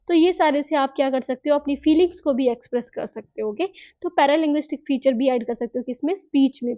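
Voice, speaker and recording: High-voiced woman teaching a class. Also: warm tone. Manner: explains in Hindi mixed with English, reads slide points slowly then paraphrases; conversational, frequent tag questions. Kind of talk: recorded online lecture. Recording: dull lo-fi recording.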